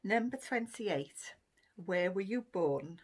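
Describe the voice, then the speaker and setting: A middle-aged woman with a Welsh accent, talking casually to her viewers. Her pitch rises and falls a lot as she goes, and she fills pauses with ums and breaks into laughter often. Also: expressive, a little mellow, husky. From Cardiff, Wales. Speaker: vlogger. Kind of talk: casual chat answering a question tag.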